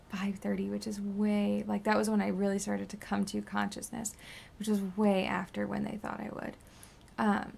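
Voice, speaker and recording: Brief: worn-out twenties woman, heavy vocal fry, raspy sore throat, rambling vlog update. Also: medium pitch, a little hiss or hum. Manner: rambling, drifting into soft whispers. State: tired and sore after surgery. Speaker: beauty vlogger. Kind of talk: casual post-surgery update vlog.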